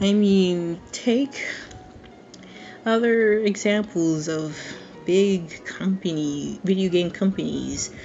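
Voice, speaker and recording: A soft-spoken woman at a very slow pace, with long, frequent pauses and music in the background. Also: medium pitch for a woman, ordinary pitch variation. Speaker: gaming commentary YouTuber. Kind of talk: casual commentary rant to camera. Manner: shy, soft-spoken.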